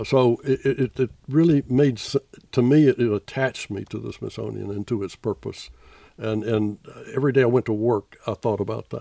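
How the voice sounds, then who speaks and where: In a very clean recording with a silent background and a dry, close sound with no echo, a man with a Southern US accent speaks fairly quickly in a dark, mellow tone at a medium pitch with ordinary pitch variation. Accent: Southern US (Georgia). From US South, South Georgia. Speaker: former museum institution head and author. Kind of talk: interview. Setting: studio. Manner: halting.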